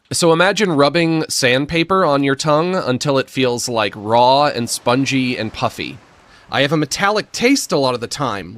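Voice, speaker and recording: Squeaky-voiced man slurring and gasping. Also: fairly bright tone, no room sound. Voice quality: slurred, lisping, stammering speech. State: short of breath, gasping before sentences. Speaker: streamer. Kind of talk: prerecorded monologue.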